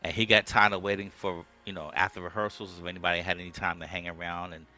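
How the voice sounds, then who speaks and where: Deep-voiced, bright-toned podcast host. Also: male voice, fast, faint music behind. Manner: relaxed, conversational, with frequent "um" and "okay". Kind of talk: casual interview chat. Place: home music studio.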